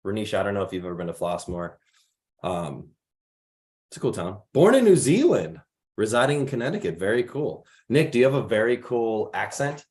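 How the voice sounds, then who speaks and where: A young man from the Chicago area hosts a casual online mentor workshop over a video call. He is slightly raspy from allergies and chats easily, reading out attendees' names and where they are from. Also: on the low side, big pitch swings, brisk, a little mellow. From Chicago area, United States. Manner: chatty, reads out attendees' names and places. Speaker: program founder hosting a mentor workshop.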